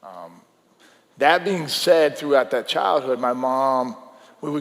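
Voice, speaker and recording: This man has a plain, everyday voice at a medium pitch, with an American accent. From Colorado. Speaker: former pro football player. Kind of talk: testimony.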